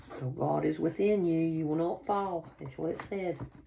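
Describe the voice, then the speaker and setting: Loud background noise sits behind a woman speaking. She talks at a moderate pace with ordinary pitch variation. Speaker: tarot card reader. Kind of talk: casual reading chat to viewers. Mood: reassuring, light laughter. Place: home room. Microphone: phone near.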